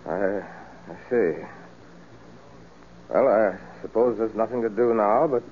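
A man's voice: fairly low pitch, slow. An actor playing a worried, weary father with a hesitant delivery in 1940s radio drama style. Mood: resigned. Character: worried father of a missing daughter. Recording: muffled 1940s radio recording, faint noise.

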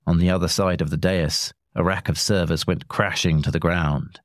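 A man narrating a short story in a measured, wry way. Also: deep voice, fairly even intonation, no room sound, clean studio sound.

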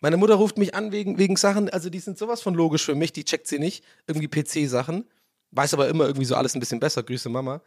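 A young man, slightly hoarse, hosting his own podcast from a room at home and ranting in a casual, swearing way. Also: a little high, fairly even intonation, fast. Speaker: podcast host. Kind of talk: casual solo podcast monologue. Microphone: own studio mic.

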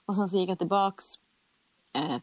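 A woman's voice: on the low side, no room sound. A young adult woman tells a personal story in a candid, chatty way and acts out the conversations she recounts. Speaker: guest telling her story.

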